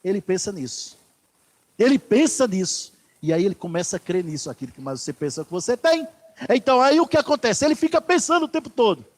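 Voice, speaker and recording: A pastor preaching a sermon in church, swinging from loud declarations to hushed asides. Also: male voice, high-pitched, big pitch swings, fast talker.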